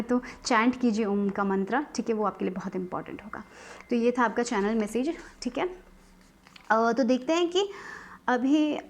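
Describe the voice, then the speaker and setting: A woman with a somewhat high voice hosts a casual tarot reading. She offers gentle, reassuring advice directly to her viewers. She drops English phrases into her talk and keeps checking in with her listeners. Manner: mixes English words and phrases into her sentences; reassuring and advising, with frequent filler checks. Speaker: tarot card reader.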